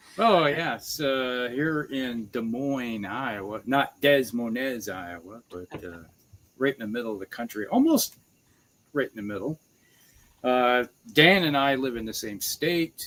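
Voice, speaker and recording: A man with an unremarkable speaking voice talks at medium pitch and a fairly slow pace. His intonation is lively, and his loudness swings widely. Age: 60s. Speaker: wargaming YouTuber. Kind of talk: casual chat.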